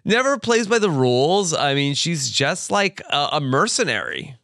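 A man's voice: fairly high pitch, very animated, moderate pace, vocal fry, fairly bright tone, no room sound, clean studio sound. A man co-hosting a podcast, recapping a TV episode in laid-back casual chat. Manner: laid-back, frequent short agreements. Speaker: podcast co-host.

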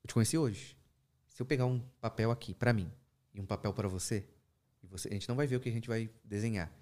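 A man, a therapist telling a session story and explaining ideas in a conversational teaching talk, with lively pitch jumps and asides. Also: quick pace. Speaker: therapist speaking about his practice.

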